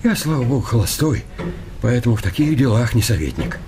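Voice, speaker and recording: Fussy, bookish hypnotist, played by a man, very expressive. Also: mid-range voice, fairly quick, noisy background, natural voice. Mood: nervous, evasive. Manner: polite, bookish, nervously hesitant. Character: timid, fussy, bespectacled educated male hypnotist. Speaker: actor in a comedy audio play. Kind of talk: radio comedy acting.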